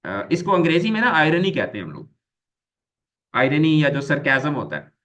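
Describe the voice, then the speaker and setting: A man's voice: a little high, very animated, moderate pace, a bit bright. A man teaching an online grammar lecture, explaining patiently, repeating key terms and mixing English words into his explanations.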